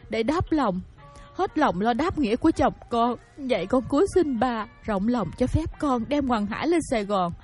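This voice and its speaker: A dutiful young widow implores humbly in a high, breathy voice. Her pitch rises and falls a lot, in the style of a radio play. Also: a little mellow. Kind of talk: radio drama acting.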